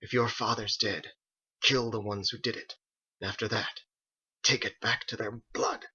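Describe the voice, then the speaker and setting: A man's voice: lowish voice, fairly even intonation, normal speed, pushed and bright, breathy edge, exaggerated voice. A man voicing a fierce, imperious tribal woman who barks orders in an audiobook. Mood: cold, grim. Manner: barking, imperious. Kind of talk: acted audiobook dialogue. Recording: dull lo-fi recording.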